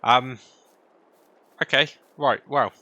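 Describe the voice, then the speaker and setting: This British gaming host speaks slowly in a mid-range voice that is bright and forceful, with fairly even intonation. He offers casual, chatty commentary as he plays, thinking aloud and often ending remarks with tag questions, while a vehicle-like engine drone makes the recording noisy.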